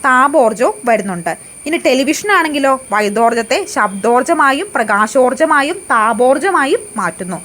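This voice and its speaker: Woman, fairly high voice, exam prep teacher, repeats key points, hesitant restarts. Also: animated, normal speed, fairly bright tone. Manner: asks questions then answers them, repeats key facts.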